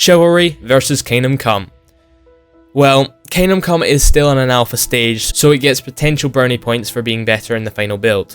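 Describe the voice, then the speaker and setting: With music in the background, a man with a Scottish accent speaks at a moderate pace in a medium pitch, with ordinary pitch variation. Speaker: gaming YouTuber. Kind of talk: video game commentary to camera.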